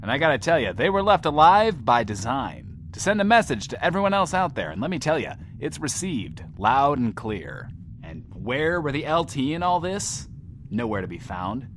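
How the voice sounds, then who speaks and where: An actor playing a flamboyant, self-absorbed young radio DJ in a post-apocalyptic audio drama, with a showy, hammy delivery. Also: male voice, medium pitch, a bit bright, slight background noise. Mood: alarmed, rhetorical. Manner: showy, hammy, talks about himself in third person, dramatic swings. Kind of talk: in-world radio show monologue in audio drama.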